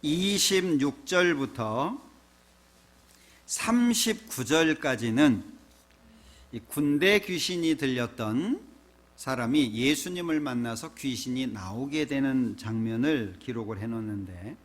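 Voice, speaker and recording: A man's voice: mid-range voice, lively intonation, takes it slowly. A man pastor giving a sermon in a church, preaching conversationally with frequent rhetorical questions to the congregation.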